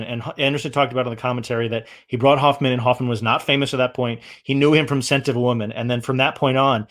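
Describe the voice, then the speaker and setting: Halting man in casual film talk. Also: medium pitch. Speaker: film discussion host. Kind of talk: casual film commentary chat.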